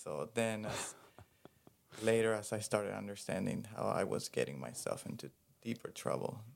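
A man in his thirties from Venezuela with a low, gravelly voice. He talks in a thoughtful, unhurried way, pausing to find his words as a podcast guest. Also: expressive. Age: 30s. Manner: thoughtful, unhurried, with pauses and fillers. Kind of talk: casual chat.

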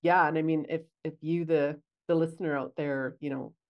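A woman's voice: low voice, fairly even intonation, normal speed, highs cut off. A woman co-hosting a casual podcast, chatty and acting out bits of client talk. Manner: chatty, acts out client dialogue. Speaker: podcast co-host, esthetician.

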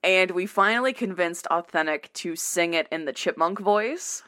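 A woman's voice: lowish voice, moderate pace, bright, forceful tone. A woman hosting a podcast, telling a rambling story with frequent laughs. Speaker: podcast host. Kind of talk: casual chat.

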